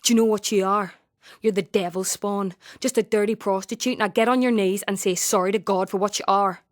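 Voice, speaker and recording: A woman's voice: mid-range voice, steady tone, brisk, dry recording, clean studio sound, lightly acted. A woman performing a dramatic monologue as a traumatised, streetwise young woman, raw, colloquial and defiant. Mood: raw, urgent. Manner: raw, colloquial, mimics her attacker.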